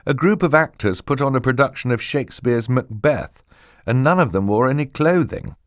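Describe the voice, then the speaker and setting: A man voicing a bookish, anxious young boy in an audiobook, speaking quickly and earnestly. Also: mid-range voice, expressive, no echo, clean studio sound, voice pushed up, lightly acted. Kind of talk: audiobook character voice.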